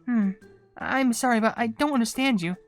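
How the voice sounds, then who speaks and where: A woman voicing a gentle, courteous young female incense maker in a game, polite and measured. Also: a little high, lightly acted. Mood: polite, curious. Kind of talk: reading game dialogue aloud in character. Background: game music.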